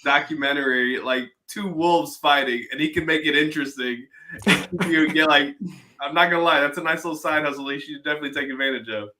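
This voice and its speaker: A man's voice: a little high, a little fast, background noise. A middle-aged man chatting on a podcast, encouraging a younger guest. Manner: warmly encouraging. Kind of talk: casual podcast chat.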